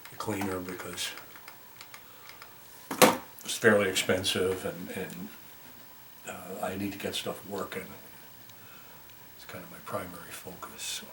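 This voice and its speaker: A man giving a casual hands-on repair demonstration as a volunteer technician, talking haltingly and thinking aloud as he works. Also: deep voice. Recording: roomy, noisy, distant microphone.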